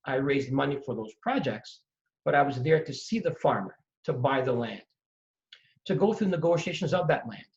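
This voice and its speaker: A middle-aged man from Trinidad and Tobago tells his story with lively emphasis. His voice sits a little high for a man. The audio is dull and lo-fi, as if the top end is gone. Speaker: real estate investor guest. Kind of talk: storytelling in conversation.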